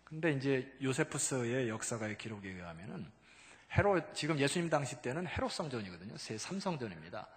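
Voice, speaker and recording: A male pastor preaching a sermon, emphatic, swinging between loud exclamations and hushed low asides and calling out to the congregation. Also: sing-song, brisk. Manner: calls out to the congregation for responses. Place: church sanctuary. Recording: long reverb of a large church hall.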